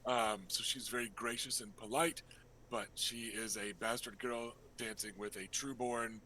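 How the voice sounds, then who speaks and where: A man working as game master, narrating a tabletop role-playing game in a casual, halting, improvised way. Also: mid-range voice, fairly even intonation, sharp tone, slight background noise, rough recording.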